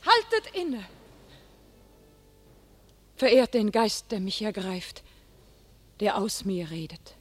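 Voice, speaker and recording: An actress playing a young, divinely inspired warrior maiden in a classic radio drama, speaking solemn, impassioned verse in a commanding way. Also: female voice, medium pitch, sing-song, takes it slowly, long pauses, husky, full character voice. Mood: solemn, pleading. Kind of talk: classic German radio play, declaimed stage verse.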